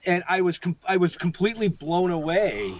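A high-voiced man hosts a casual podcast interview in a sing-song manner, with background noise behind him. He's effusive, heaping on praise while halting with fillers and frequently restarting his sentences.

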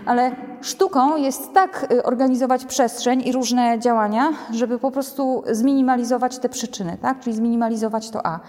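A woman's voice: a little high, moderate pace, hardly any pauses. A woman giving a conversational lecture on raising children, often tagging sentences with a checking question and acting out little quoted lines. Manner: conversational, ends many sentences with a checking "nie?"; animated, acts out quotes. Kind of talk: lecture to a group. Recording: long reverb of a hall.

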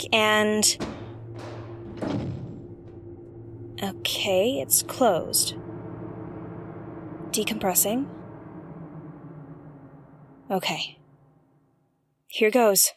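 Seeking an actress as an earnest female space sleuth for audio drama: mid-pitched, articulate, musing, with theatrical pauses. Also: background noise, close to an everyday voice. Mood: nervous, focused. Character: Nym, earnest woman investigator hosting her own space mystery show. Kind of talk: audio drama narration, like a spoken field log.

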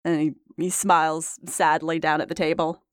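A woman's voice: deep voice, level tone, moderate pace, dry recording, clean studio sound. A woman narrating a tabletop game as game master in a casual descriptive way.

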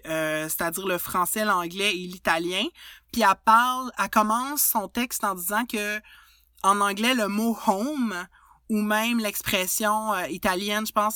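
A woman's voice: medium pitch, pushed and bright, no echo, studio quality. A woman with a Quebec French accent co-hosting a podcast, talking thoughtfully with many hesitations and restarts. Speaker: podcast co-host. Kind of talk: reflective casual chat.

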